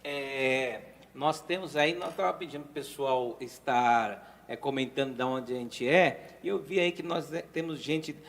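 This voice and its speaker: Man reading shout-outs in a reverberant room. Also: medium pitch, unhurried, vocal fry, few pauses. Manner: warm blessings and shout-outs. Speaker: co-host. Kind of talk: reading viewer greetings.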